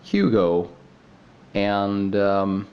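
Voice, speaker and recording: A man's voice: lowish voice, fairly even intonation, extremely slow, highs cut off, noisy background. A young man from Sweden with a Swedish accent, talking in a casual unscripted home video and stopping often with ums and restarts. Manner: hesitant, many ums and restarts. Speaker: video creator. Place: home room.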